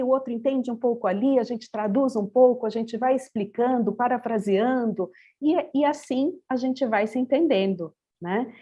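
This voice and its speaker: Brazilian woman panelist, warm mellow tone, hesitant reflective delivery. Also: on the high side, slightly rough, muffled recording. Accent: Brazilian Portuguese. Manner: thoughtful, many hesitations and restarts. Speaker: panel speaker on bilingual education. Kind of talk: panel discussion answer.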